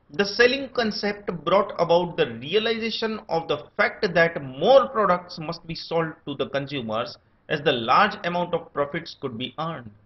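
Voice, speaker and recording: Male lecturer, Indian accent, steady itemized delivery, lively intonation, muffled lo-fi recording. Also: fairly high pitch. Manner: steady enumerating delivery, lists points one by one. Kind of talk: scripted academic lecture. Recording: dull lo-fi recording.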